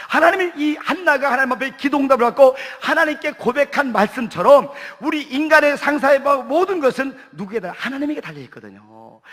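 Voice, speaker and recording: A male pastor preaching a sermon in a church, telling stories with humor. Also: extremely high pitch. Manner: lively storytelling with humor. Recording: church hall reverb.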